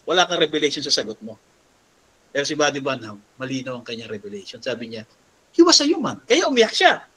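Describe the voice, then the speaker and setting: A man's voice: fairly high pitch, sharp tone, husky. A man preaching a sermon, who quotes English passages and keeps asking his listeners "di ba?". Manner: mixes Tagalog with English quotes, asks "di ba?" often. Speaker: pastor.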